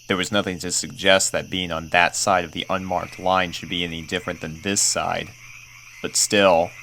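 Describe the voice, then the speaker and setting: A man reading a scripted spooky story aloud as narrator, with a measured, suspenseful storytelling delivery. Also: low voice, sharp tone, a little hiss or hum, rough recording. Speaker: fan fiction narrator.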